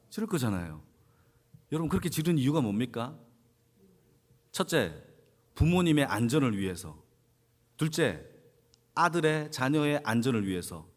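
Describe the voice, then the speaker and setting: In a church sanctuary, a senior pastor delivers a Sunday sermon, posing questions to the congregation and answering them himself while repeating key phrases for emphasis. His voice sits a little high.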